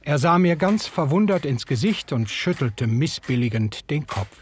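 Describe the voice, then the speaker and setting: A man giving measured, reflective first-person narration in a German radio play. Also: on the high side, animated, breathy edge.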